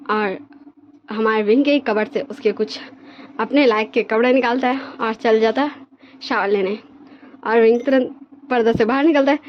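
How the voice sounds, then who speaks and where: A woman's voice: a little high, dull audio, slight background noise. A woman retelling fan fiction in a casual, chatty way, talking straight to her listeners. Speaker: storyteller.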